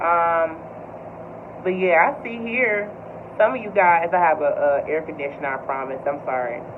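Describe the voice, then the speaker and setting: A woman with an American accent and a fairly low pitch speaks at a moderate pace with lively intonation and long, frequent pauses, amid noticeable background noise and audible room echo. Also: big swings in loudness. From US Midwest, Chicago. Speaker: tarot reader. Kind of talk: tarot reading. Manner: loud; casual, meandering with fillers.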